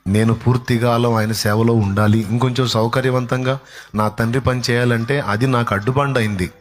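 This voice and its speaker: Dramatic male preacher, medium pitch. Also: steady tone, a little fast. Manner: dramatic, voices angry relatives, swings from shouting to soft. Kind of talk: sermon acting out scolding dialogue.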